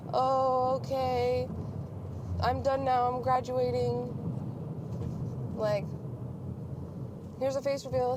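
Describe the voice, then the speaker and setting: Chatty young woman podcasting over clear car noise. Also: medium pitch. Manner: chatty, rambling, self-deprecating. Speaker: podcast host. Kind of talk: casual solo chat to listeners while driving. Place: inside a moving car. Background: vehicle hum.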